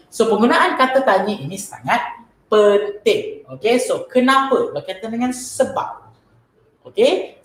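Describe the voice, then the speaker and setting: A woman's voice: mid-range voice, reverberant. A woman with a Malaysian accent teaching a Malay grammar lesson online, acting out the example questions she asks and answers herself. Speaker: Malay language tutor.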